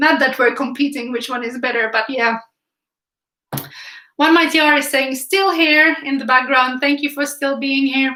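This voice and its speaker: In a raised, projected voice, a woman speaks at a high pitch with a bright, sharp tone, fairly even intonation, and long, frequent pauses. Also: moderate pace. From Finland. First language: Swedish. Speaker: artist. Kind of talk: live stream chat. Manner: casual.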